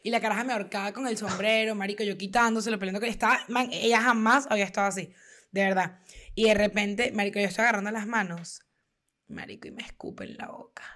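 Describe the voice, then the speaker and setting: A young woman with a Venezuelan accent telling a story in casual podcast chat, animated and slangy. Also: mid-range voice, fast. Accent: Venezuelan Spanish. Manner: animated, slangy, acts out quotes loudly. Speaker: podcast co-host.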